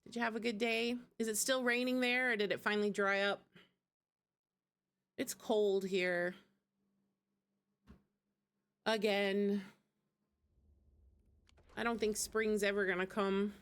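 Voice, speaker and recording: A woman's voice: mid-range voice, fairly even intonation, a little slow, long pauses, fairly bright tone, clean tone. A woman livestreaming video games, chatting casually and poking fun at herself. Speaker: game livestreamer. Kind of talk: casual gaming stream chat. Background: game music.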